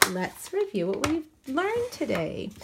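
Using a put-on character voice, a woman talks at a moderate pace in a high pitch with very wide pitch swings. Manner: instructive, schoolroom tone.

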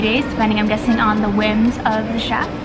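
Music plays in the background while this woman talks at a moderate tempo. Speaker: food reviewer. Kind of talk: casual vlog chat. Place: cafe. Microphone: phone near.

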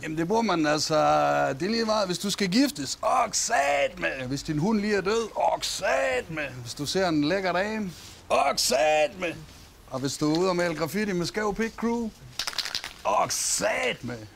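In a North Jutland accent, the speaker goes at a fairly slow pace with lively intonation over light background noise. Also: man, high pitch for a man. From Aalborg, North Jutland, Denmark. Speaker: rapper. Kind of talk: TV interview answer. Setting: outdoors. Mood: playful, laughing. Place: street. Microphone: lapel.

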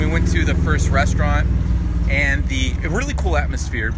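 The sound is dry with no echo as a man speaks at a fairly quick pace over loud background noise. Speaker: vlogger. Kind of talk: casual vlog chat. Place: street. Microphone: phone near.

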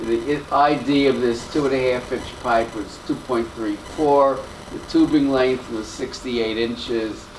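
A man speaks at a very slow pace with fairly even intonation. Noticeable background noise is present. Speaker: presenter. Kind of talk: technical talk. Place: meeting room. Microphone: camera far.

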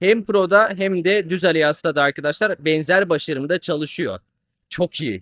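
The moderate-paced speech has ordinary pitch variation in a very clean recording with a silent background. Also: man. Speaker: tech reviewer. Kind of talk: product review. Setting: indoor room, recording through reviewed mics.

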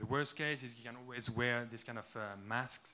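A man with a French accent speaks at a medium pitch. His tone is bright and sharp, with fairly even intonation. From France. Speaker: startup founder. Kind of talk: startup pitch. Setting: stage with audience. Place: stage. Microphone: handheld.

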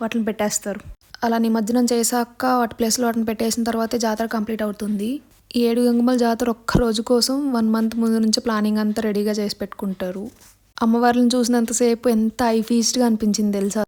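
A woman speaks at a fairly high pitch with a dark, mellow tone. Her intonation is monotone and flat. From Andhra Pradesh, Srikalahasti area. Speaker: vlogger. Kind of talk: casual vlog narration. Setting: outdoors at street festival.

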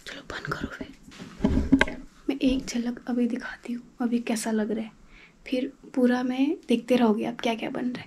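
Soft-spoken and high-pitched, a woman talks in a monotone, flat way with big swings in loudness and long, frequent pauses over light background noise. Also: fairly slow pace. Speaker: vlogger. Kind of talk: casual vlog talk. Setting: at home at night. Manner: quiet, speaking softly. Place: home room. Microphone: voice may sound too quiet; phone near.

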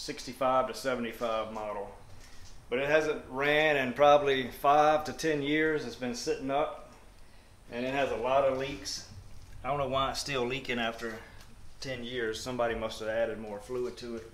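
This man's fairly even intonation and moderate pace come through with audible room echo. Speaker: garage channel host. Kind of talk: casual walkaround explanation. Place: garage. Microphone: phone near.

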